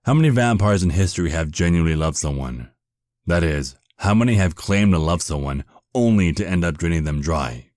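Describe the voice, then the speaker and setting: Man acting very deep, haughty archangel. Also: animated, brisk, darkish tone, no room sound, clean studio sound. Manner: haughty, dismissive, formal. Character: stern, proud, prejudiced male archangel accuser. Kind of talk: dramatic audio roleplay acting.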